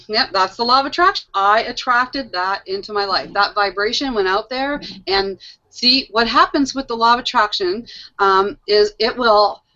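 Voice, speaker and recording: Animated middle-aged woman, muffled audio. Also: medium pitch. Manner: animated, laughs often, repeats phrases for emphasis. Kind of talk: casual panel discussion.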